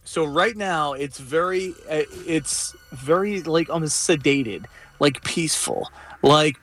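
A man reporting live for a radio show, telling his experiences casually and haltingly, with repeated starts. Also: on the high side, fairly bright tone. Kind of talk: casual live on-air storytelling.

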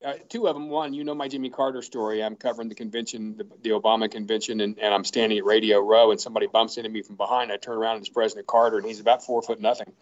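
A man who broadcasts sports, telling stories in a casual podcast chat with animated, quick bursts. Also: on the low side, muffled recording.

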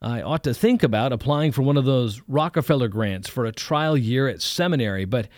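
A man's voice: mid-range voice, animated, fairly quick, dry recording, studio quality, pitched above the performer's own voice, natural voice. A man voicing a nervous young male student who stammers and hesitates.

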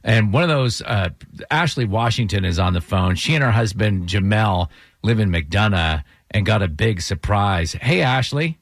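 A man's voice: fairly low pitch, lively intonation, normal speed, creaky, no echo. A man hosting a radio morning show, bantering playfully in an upbeat style, close on a studio microphone.

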